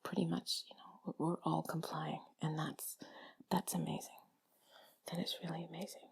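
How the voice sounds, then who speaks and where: A woman talking in a hushed, breathy, intimate whisper, rambling along in a reassuring, comforting way as if to one listener. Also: sits low, little pitch movement, normal speed. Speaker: audio creator speaking to listener.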